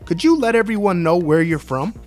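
A man with a somewhat high voice hosts a podcast. He speaks earnestly and encouragingly as he gives tips and introduces a guest. Soft music plays faintly beneath him. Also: lively intonation, brisk. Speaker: podcast host. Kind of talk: casual podcast chat and interviewing.

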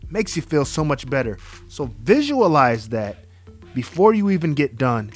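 Guy hosting a podcast, kinda high voice, earnest advice-giving vibe. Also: sing-song, normal speed, faint music behind. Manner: earnest, encouraging, gives advice. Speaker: podcast host. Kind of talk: casual podcast chat and interviewing.

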